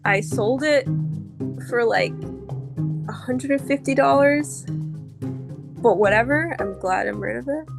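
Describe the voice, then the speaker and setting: A woman telling her own story in a casual way, with many likes and pauses. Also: high voice, vocal fry, over music. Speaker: interview guest recounting her marriage. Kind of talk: personal storytelling.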